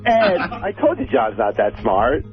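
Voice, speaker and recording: A man argues as a radio caller in a slightly high voice. His intonation is lively. The sound is muffled, with faint music behind it. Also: a little slow.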